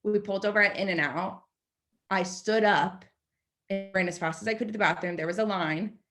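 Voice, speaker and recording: A woman in her late twenties, a podcast guest, telling a story in a chatty, animated way and filling her speech with "like.". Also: medium pitch, moderate pace, over music. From United States. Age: 20s. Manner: chatty, animated, lots of "like" fillers. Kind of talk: casual storytelling.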